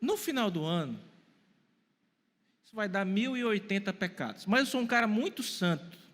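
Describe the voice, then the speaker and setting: A man in his forties preaching in a church. His high, lively voice leaps up and down as he poses questions to the congregation and answers them. A long reverb trails after his words. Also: normal speed. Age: 40s. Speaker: pastor. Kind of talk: sermon. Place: church hall.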